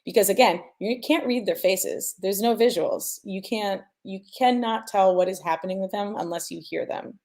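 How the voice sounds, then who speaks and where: A woman's voice: medium pitch, moderate pace, few pauses, darkish tone. A woman explaining her work as a sound designer in an informal, conversational way, thinking aloud and stressing key points. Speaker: sound designer sharing mixing advice.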